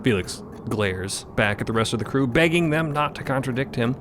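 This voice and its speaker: Guy narrating an audio drama, mid-pitched voice, busy ambience behind him. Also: lively intonation, moderate pace, background noise.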